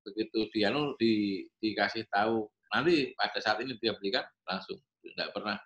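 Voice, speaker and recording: A man in casual conversation, agreeing and sharing his own experience in a relaxed way. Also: on the low side, normal speed, dull audio.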